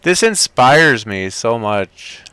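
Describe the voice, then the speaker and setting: A man with a bright, forceful tone and a clean, crisp voice. He talks through what he is browsing in casual commentary, eager and thinking aloud. The sound is dry and close. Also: mid-range voice, slow pace, no room sound. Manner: excitable, thinks aloud, often trails off quietly. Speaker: hobbyist game developer. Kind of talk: casual screen-recording commentary.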